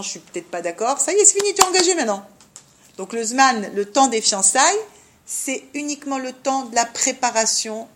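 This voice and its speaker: A woman giving an informal Jewish religious lesson to women, didactic, mixing Hebrew terms into her French and often checking that listeners follow. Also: mid-range voice. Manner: didactic, frequent check-in questions. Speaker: religious teacher.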